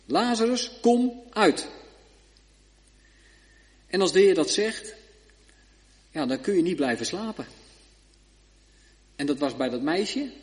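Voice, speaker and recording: A man giving a Bible study sermon, reading scripture aloud slowly and checking in with short tag questions. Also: on the high side, lively intonation, darkish tone. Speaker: preacher. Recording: long reverb of a hall.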